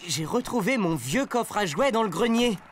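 A man voicing an excitable character who fusses over his childhood toy duck, talking theatrically in a scripted comic lesson. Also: normal speed, slight background noise. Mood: playful. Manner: theatrical, with big swings of pitch between lines. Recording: music playing behind the voice.

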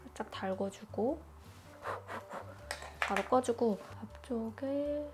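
A woman's voice: fairly high pitch, takes it slowly, music in the background. Chatty woman doing a makeup tutorial. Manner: chatty, informal, step-by-step explaining. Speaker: beauty YouTuber.

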